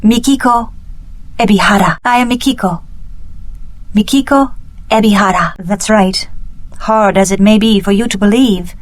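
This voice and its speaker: A woman voicing a serious, determined young heroine in a video game, with a deliberate and earnest delivery. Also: medium pitch, dry recording, close to an everyday voice. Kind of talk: scripted video game character dialogue.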